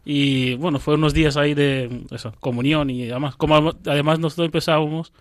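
A man's voice: a little high, steady tone, fairly quick, no echo, clean studio sound. A man from Guinea-Bissau, a seminarian guest on a radio show, hesitant and searching for words. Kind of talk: casual radio interview.

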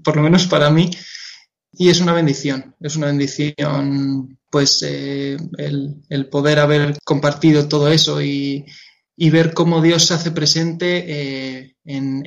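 A man's voice: a little high, lo-fi sound. A young man in his twenties with a Madrid Spanish accent, a guest in a radio interview, speaking earnestly and hesitantly, often repeating and restarting words. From Madrid, Spain. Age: 20s. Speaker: guest singer-songwriter.

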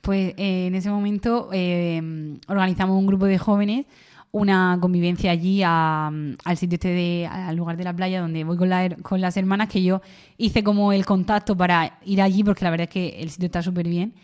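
A woman's voice: on the low side, fairly even intonation, moderate pace, darkish tone. A young university student, a woman, sharing a personal faith testimony in an interview, with many fillers and restarts. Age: young adult.

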